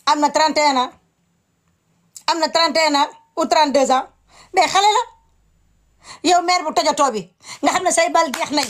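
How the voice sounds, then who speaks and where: A woman's voice: high-pitched, normal speed, pauses often, fairly bright tone. A woman giving impassioned commentary, indignant and emphatic, repeating her words.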